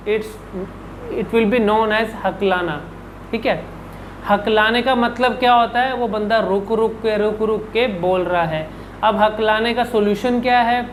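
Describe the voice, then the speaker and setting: In this rough recording with a little hiss or hum, a speech and public speaking coach talks slowly in a steady, high-pitched voice. Answering viewer questions for an instructional video, he repeats syllables and words to show how each sound is made.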